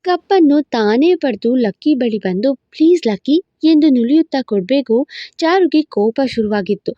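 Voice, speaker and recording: A woman storyteller reading a romantic story in an even, expressive way. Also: high-pitched, normal speed, no echo, lo-fi sound. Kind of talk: scripted storybook narration.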